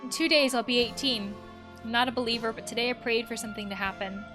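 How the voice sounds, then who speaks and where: A woman reads the part of a troubled young trans woman of eighteen in a video game. The voice is fairly high, earnest and confessional, over faint music. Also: fast talker, close to an everyday voice. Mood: despairing, yearning. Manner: confessional, reading out written messages.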